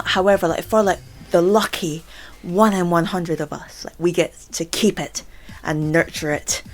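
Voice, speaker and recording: A young woman with a low voice talks casually to the camera about herself. Her speech catches and repeats as she stammers, with many fillers. Soft music plays faintly behind her. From Scotland. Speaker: channel host. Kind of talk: casual vlog chat.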